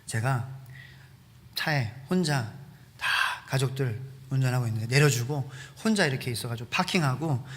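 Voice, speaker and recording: A man pastor preaching a sermon, animated, acting out quotes and asking the congregation questions, in a reverberant church hall. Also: mid-range voice, normal speed. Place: church sanctuary.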